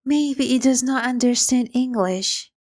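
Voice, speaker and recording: A woman's voice: on the high side, a little slow, a little mellow. A woman doing a polite, curious young girl.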